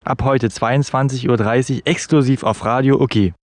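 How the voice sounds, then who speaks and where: A man's voice: medium pitch, steady tone, moderate pace. A man announcing parody adverts and radio promos in a scripted comedy audio play.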